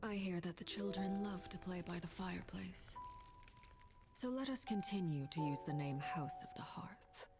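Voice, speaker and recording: A woman playing a composed, menacing guardian in a game trailer, narrating a legend in a measured, solemn way. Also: on the low side, lightly acted. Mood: quietly firm. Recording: game trailer with music behind. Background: music.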